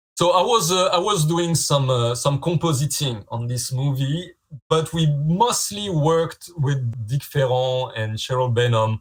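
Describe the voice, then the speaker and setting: A man with a French accent sounds somewhat breathy, with ordinary pitch variation. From France. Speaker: visual effects artist. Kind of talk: podcast interview. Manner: halting, many fillers.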